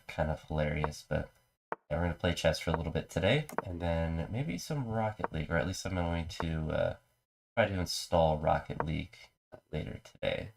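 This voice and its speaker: Low, gravelly man with a stuffy cold. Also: noisy background. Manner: low-key, talks through his moves. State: mild cold, congested. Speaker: live streamer. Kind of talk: casual chess commentary.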